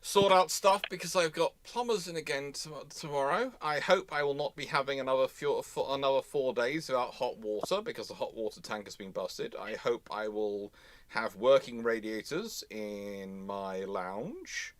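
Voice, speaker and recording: A man's voice: mid-range voice, normal speed, a bit bright, no echo. A man with a British accent hosting an unscripted live chat, rambling and rephrasing himself as he explains. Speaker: host of a live history stream.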